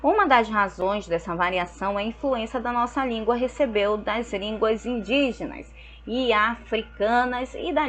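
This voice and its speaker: A young woman from Brazil, teaching a school lesson and explaining slowly and patiently, often checking in with her students. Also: on the high side, low-quality recording. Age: young adult.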